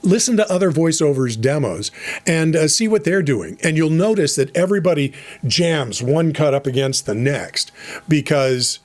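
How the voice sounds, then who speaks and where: A man's voice: fairly high pitch, animated, normal speed. A middle-aged man giving casual, encouraging advice on voice over work, chatty with fillers and restarts. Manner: conversational, frequent fillers and restarts. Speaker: voice over coach. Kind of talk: casual instructional talk.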